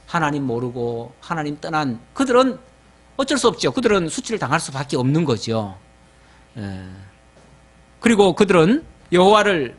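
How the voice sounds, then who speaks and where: Korean pastor with a lively, rising-and-falling voice. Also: male voice, on the high side. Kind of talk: expository Bible sermon.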